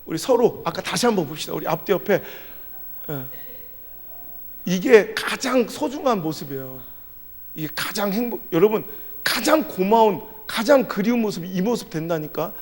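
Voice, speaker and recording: A male pastor preaching a revival sermon in a large church hall, telling a personal story and swinging from soft to loud. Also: high-pitched, lively intonation, moderate pace. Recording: echoey hall with long reverb.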